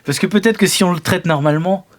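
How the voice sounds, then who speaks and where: A young man playing a tabletop game, talking in a casual, halting way with restarts. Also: high voice. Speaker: player.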